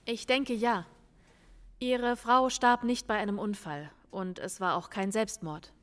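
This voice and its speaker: An actress in a crime radio play as a calm female police lieutenant, questioning in a measured, insistent way. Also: medium pitch, in a large hall, close to an everyday voice. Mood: calm, factual. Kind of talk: audio drama dialogue.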